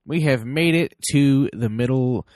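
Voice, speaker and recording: Hosting a solo parenting podcast, a man talks casually and fills his speech with frequent fillers, his nose a little stuffy from a cold. His medium-pitched voice is slightly slow and darkish, recorded at studio quality with no echo.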